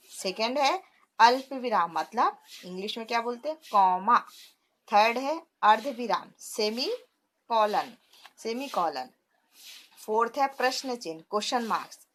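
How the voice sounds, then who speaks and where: A woman with a fairly high voice teaches a classroom lesson in patient steps. She poses questions to her students and answers them herself, dropping terms in as she goes. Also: a bit bright. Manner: explains step by step, asks and answers her own questions.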